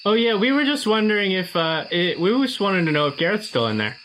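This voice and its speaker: A man playing a tabletop role-playing game, speaking casually in a halting, offhand way. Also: high voice, lively intonation, background noise. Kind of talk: casual improvised role-play.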